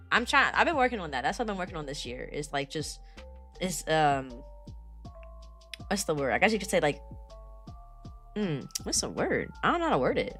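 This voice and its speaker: A woman livestreaming in a loose, chatty way, answering chat as she rambles from one thing to the next. Her voice is raspy and a little weak from allergies, yet it keeps a bright, forward edge. Soft music plays faintly behind her. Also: medium pitch. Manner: chatty and rambling, casual slang. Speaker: VTuber streamer. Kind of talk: casual livestream chat, replying to chat.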